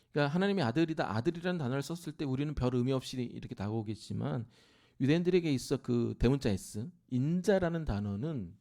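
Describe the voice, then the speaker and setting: A man preaching a sermon in church, explaining scripture and acting out lines with rising force. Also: gravelly. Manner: animated preaching, shouting scripture at peaks, then dropping low. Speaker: pastor. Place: church sanctuary.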